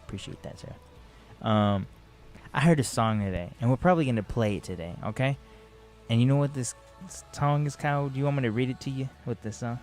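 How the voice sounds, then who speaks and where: A man's voice: medium pitch, a little fast, darkish tone, faint music behind. A man in his twenties hosting a casual Christian radio talk show, teasing his brother and rambling loosely. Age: 20s.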